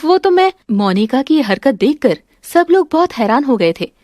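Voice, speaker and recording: Woman, cartoon narrator, high voice, dry close sound, plain storytelling. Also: sing-song, normal speed, a little mellow, dry recording.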